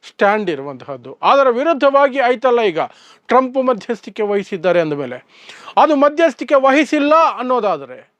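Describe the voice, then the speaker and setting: Man, Kannada accent, high voice, sarcastic news commentary, dry and slightly muffled sound. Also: no echo. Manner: sarcastic, emphatic, animated explainer. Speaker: political commentator.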